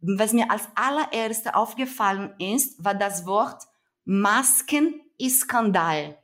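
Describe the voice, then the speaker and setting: An earnest young woman with a Brazilian Portuguese accent speaks as an interview guest, emphatic and searching for her words. Her voice sits at a middle pitch. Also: expressive, takes it slowly, a bit bright. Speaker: activist guest. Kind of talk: conversational interview.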